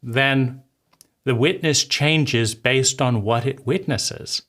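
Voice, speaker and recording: A man's voice: mid-range voice, slow pace, fairly bright tone. A man hosting his channel, casually critiquing a book's argument with restarts and repeated rhetorical "right?". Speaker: host critiquing a book. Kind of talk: casual spoken commentary.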